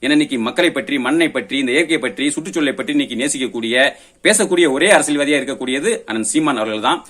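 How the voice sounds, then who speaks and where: A man's voice: medium pitch, lively intonation, fast talker, fairly bright tone. A man giving a confrontational political monologue, firing pointed rhetorical questions in an accusatory way. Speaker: political commentator. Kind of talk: political monologue rebutting an opponent.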